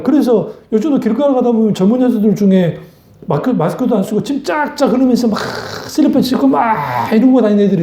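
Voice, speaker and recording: A woman pastor delivers a sermon in a blunt, talky way, often putting rhetorical questions to her listeners. Her voice is mellow and dark, with pitch that rises and falls a lot. The recording carries the echo of a roomy church sanctuary.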